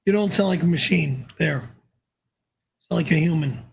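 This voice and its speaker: A man's voice: a little high, normal speed, gravelly, slightly rough. A man hosting a live stream, cranky and indignant, swearing often. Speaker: livestream host. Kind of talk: profane live-stream banter.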